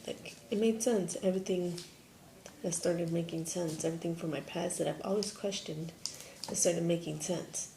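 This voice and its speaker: Mellow-voiced young trans man in an echoey room. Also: on the high side, gravelly. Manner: easygoing, rambling, filler-heavy. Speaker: vlogger. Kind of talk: casual vlog. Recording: echoey room, faint noise.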